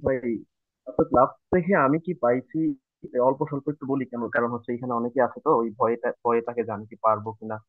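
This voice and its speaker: A man's voice: mid-range voice, steady tone, quick pace, dry recording, narrow, tinny audio. A young man, a former student, sharing his experience casually and hesitantly with many fillers. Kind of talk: casual testimony in class.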